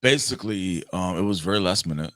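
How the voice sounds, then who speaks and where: Very deep-voiced American man chatting. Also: expressive, quick pace, a bit bright, no echo, clean studio sound. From Cincinnati, Ohio, United States. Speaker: talk show co-host. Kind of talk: casual chat, personal storytelling.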